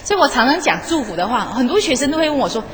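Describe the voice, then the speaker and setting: A former teacher gives a live motivational talk in a lecture hall, her high-pitched, slightly bright voice very animated and rapid-fire. She's chatty and coaxing, often putting questions to the audience. The hall is echoey, with faint background noise.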